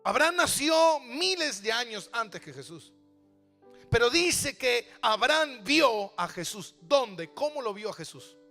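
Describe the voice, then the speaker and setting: A man's voice: extremely high pitch, very animated, unhurried, pushed and bright, soft background music. A man pastor preaching a sermon, asking rhetorical questions and repeating phrases for emphasis. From Argentina.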